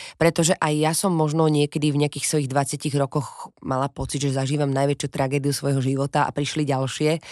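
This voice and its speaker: A woman talks at a fairly quick clip with hardly any pauses, her pitch very deep and low and her loudness very even. The sound is dry and close with no echo, against a quiet background. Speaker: actress. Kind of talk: interview. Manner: animated.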